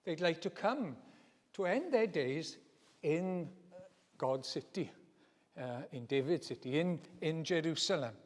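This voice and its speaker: Male preacher, high animated voice, slow deliberate delivery, long church reverb. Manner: lively, expressive, repeats phrases for emphasis. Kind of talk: sermon teaching.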